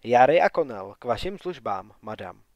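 A man's voice: mid-range voice, big pitch swings, darkish tone, no echo, lo-fi sound. A man reading a wry, grumbling young wanderer. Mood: sardonic. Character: wry wet young male wanderer, sardonic.

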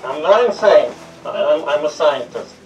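A man's voice: on the high side, expressive, unhurried. A young man hosting a comedic review, talking through a gas mask, stammering, swearing and rambling. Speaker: host. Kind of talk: comedic snus review and sketch. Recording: distant, roomy, lo-fi with music.

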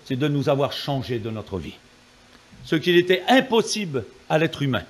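Fervent high-voiced male preacher. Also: very animated, normal speed. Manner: fervent preaching, calls on the congregation for amens. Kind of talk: evangelical sermon.

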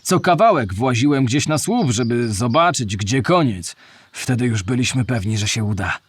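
A shipyard striker gives dramatised first-person testimony. The voice is mid-pitched and somewhat husky. He tells his account in a plain-spoken way, as in an educational radio play. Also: lively intonation, normal speed, dry recording, studio quality. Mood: reminiscing, resolute.

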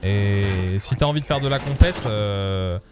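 A man's voice: lowish voice, a little slow, music in the background. A man from France streaming a game, teasing and joking while explaining things in a rambling way. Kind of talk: casual gaming stream chat.

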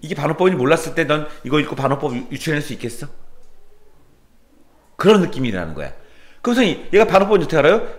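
A man teaching literature in a classroom, lecturing animatedly and firing questions at his students. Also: a little high. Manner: animated, questioning students, quoting lines in a put-on voice. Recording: roomy classroom echo.

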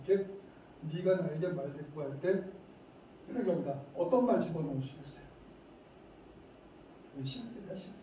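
A middle-aged man lectures a room of parents with animated energy and acts out scolding lines. His voice sits a little high and soft-toned, caught from far off in a reverberant hall. The sound is dull, with a faint hiss behind it. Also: moderate pace, pauses often. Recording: echoey hall, distant mic, dull faint noise.

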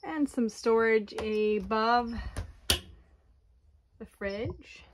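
A woman giving an unhurried walkthrough tour of her camper, plainly pointing out features one by one, recorded on a handheld phone inside the trailer. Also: fairly high pitch, background noise. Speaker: owner giving a home tour.

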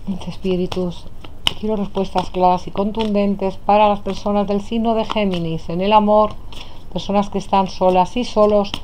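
A woman's voice: medium pitch, steady tone, normal speed, a little mellow, slight background noise, low-quality recording. A woman with a Spain Spanish accent leads a tarot reading for her audience. She speaks fondly to her viewers, calling them her loves as she turns over cards. She is recorded indoors at a table. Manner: affectionate, addresses viewers as "my loves". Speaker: tarot reader. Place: indoors at a table, hands only on camera.

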